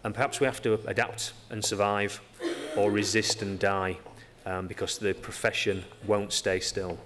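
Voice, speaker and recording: A man's voice: fairly low pitch, flat delivery, a crowd in the background. Yorkshire man lecturing in a hall. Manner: halting, many ums, self-deprecating. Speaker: conference speaker. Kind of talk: conference lecture. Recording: lecture hall reverb, faint ambience.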